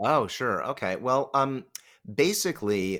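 At a moderate pace, a man with an unremarkable speaking voice uses lively intonation on a very clean recording with a silent background. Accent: American. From Los Angeles, US. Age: 40s. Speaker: voice actor. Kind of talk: casual chat. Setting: at home.

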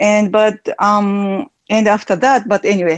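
A woman with a Japanese accent talks at a fairly slow pace and a medium pitch. The sound is dry and close with no echo, over a quiet background. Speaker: aspiring life coach. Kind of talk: coaching conversation. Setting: online audio room. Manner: halting.

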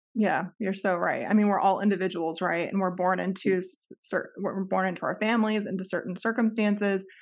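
A woman with an ordinary speaking voice and a medium pitch talks at a fairly quick pace, with fairly even intonation and hardly any pauses. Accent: American. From Kansas, US Midwest. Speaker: podcast host. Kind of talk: interview conversation.

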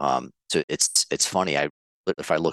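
A man talks at a moderate pace with a bright, sharp tone and some vocal fry. The sound is dry and close with no echo, over a quiet background. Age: 40s. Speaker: podcast guest sharing personal growth story. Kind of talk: casual chat. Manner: halting, many repetitions and fillers.

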